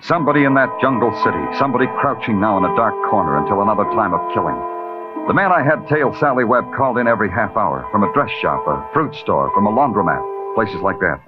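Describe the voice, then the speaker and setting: An actor playing a terse, grim police lieutenant in a 1950s radio drama, narrating and giving orders. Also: male voice, lowish voice, very animated, fast talker. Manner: clipped, terse, commanding. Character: hard-boiled male police lieutenant, grim. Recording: muffled old radio recording with music.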